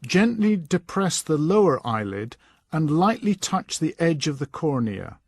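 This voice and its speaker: A man whose voice sits slightly high reads a scripted lesson, delivering instructions at a measured pace. His pitch swings widely and has a breathy edge, and the recording is close and dry with no room sound at all.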